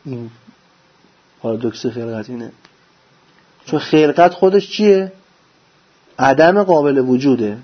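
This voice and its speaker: A man giving a religious lecture, preaching with lively rhetorical questions and answering them himself. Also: medium pitch, long pauses, slightly rough. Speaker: religious teacher. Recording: dull lo-fi recording.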